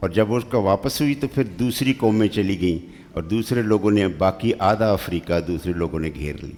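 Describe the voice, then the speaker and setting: With music in the background, a man's fairly low voice shows ordinary pitch variation. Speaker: preacher giving a sermon. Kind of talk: church sermon.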